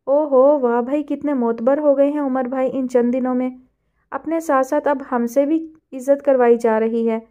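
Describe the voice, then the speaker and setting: A woman's voice: high voice, fairly even intonation, warm tone, lo-fi sound, close to an everyday voice. Woman reading as a teasing young woman friend. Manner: teasing, mocking.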